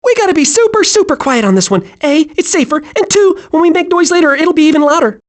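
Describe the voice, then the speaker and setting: A man voicing a childlike, gleeful, hyperactive squirrel in an animated video game, excitable and naively cheerful. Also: extremely high pitch, quick pace. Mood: excited.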